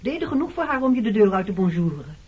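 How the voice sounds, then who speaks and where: A woman's voice: medium pitch, sing-song, quick pace, darkish tone, breathy edge. An actress playing a weary, defensive woman in her thirties, haunted by her wartime past, in a radio play. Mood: reproachful. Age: 30s. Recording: dull old radio play recording.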